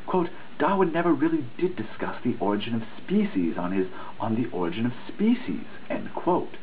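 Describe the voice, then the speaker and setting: Reading from a dissertation at a normal speed, this man has a medium-pitched voice that swings widely up and down. His delivery is dramatic, earnest and sermon-like, and he occasionally misreads a word. The recording is thin and phone-like, with a faint hiss.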